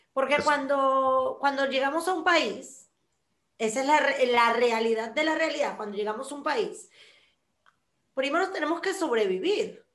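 Her pitch high, a woman talks at a fairly slow pace with lively intonation. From Venezuela, Lechería (Anzoátegui). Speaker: actress and comedian. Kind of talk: casual interview.

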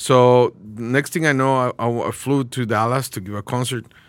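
A man speaks with a Mexican accent in a very clean recording with a silent background. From Mexico. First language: Spanish. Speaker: pastor and recording artist. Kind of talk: casual chat. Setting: studio. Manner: halting.

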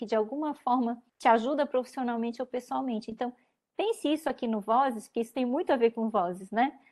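Heard in a very clean recording with a silent background, a woman with a high pitch talks at a moderate pace with ordinary pitch variation. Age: 60s. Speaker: psychologist. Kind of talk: interview.

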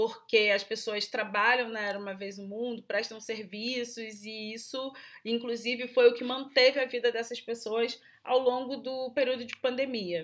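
A woman's plain, everyday voice, fairly high in pitch, at a moderate pace with fairly even intonation and big swings in loudness. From Rio de Janeiro, Brazil. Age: 30s. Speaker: entrepreneur and historian. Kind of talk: recorded presentation.

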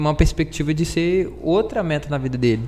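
A man's fairly high pitch with ordinary pitch variation at a moderate pace, an unremarkable speaking voice. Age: 20s. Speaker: e-sports organization founder. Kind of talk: casual chat.

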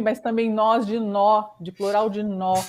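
Over noticeable background noise, a woman with a fairly high pitch speaks very slowly in a monotone, flat intonation. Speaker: podcast co-host, business partner. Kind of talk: casual chat.

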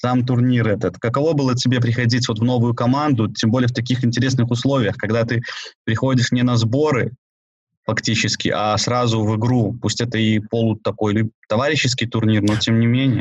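Somewhat breathy and at very even loudness, a man speaks at a fairly quick pace and medium pitch with monotone, flat intonation. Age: 30s. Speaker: club press officer. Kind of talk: casual interview. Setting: video call.

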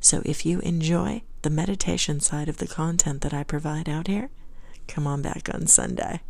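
A woman speaks at a moderate pace in a very deep, low pitch with a dark, mellow tone. Her voice shows vocal fry and ordinary pitch variation. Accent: American. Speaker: meditation teacher and podcast host. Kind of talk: solo podcast monologue, casual ramble. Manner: warm, upbeat, rambling.

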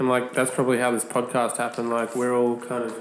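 In an Australian accent, a man talks fairly quickly at a medium pitch, flat and monotone. Audible room echo and noticeable background noise fill the recording. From Perth, Australia. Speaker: podcast host. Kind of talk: casual chat.

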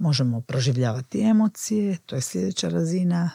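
At a moderate pace, a woman speaks in a dark, mellow tone, the sound dry and close with no echo. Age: 40s. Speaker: body psychotherapist and teacher. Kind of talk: interview.

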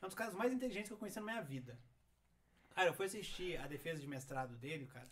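Very wide pitch swings mark speech delivered at a very fast pace. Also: man. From Minas Gerais, Brazil (small town in the south). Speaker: digital business founder and CEO. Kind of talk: casual podcast interview.

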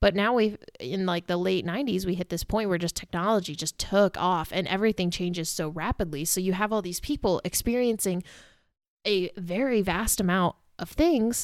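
The recording is very clean, with a silent background. A woman with a plain, everyday voice talks at a fairly quick pace and a medium pitch, with ordinary pitch variation. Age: 20s. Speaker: podcast host. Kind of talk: casual chat.

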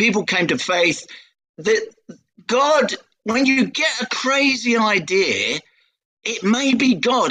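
Speaking at a very slow pace, a man uses a raised, projected voice with ordinary pitch variation. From London (Hackney, East End). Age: 60s. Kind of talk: casual interview chat. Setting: podcast recording.

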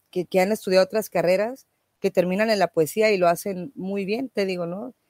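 An ordinary speaking voice from a woman, with fairly even intonation. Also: dry, close sound with no echo. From Tijuana, Mexico. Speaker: poet and cultural manager. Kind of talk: interview.

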